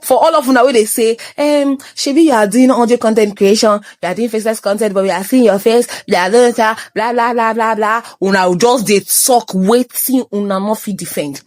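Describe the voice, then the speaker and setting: A young Nigerian-accented woman hosts a motivational talk, switching between English and Pidgin as she teases and scolds her listeners. Her voice is a little high and a little mellow, brisk with few pauses, recorded on a phone with no room sound.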